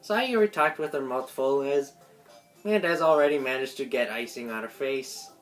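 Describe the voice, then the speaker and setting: Low-pitched woman reading game story. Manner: halting, stumbles over the text. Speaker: narrator and player of a visual novel. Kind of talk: live dramatic reading of game text. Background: game music.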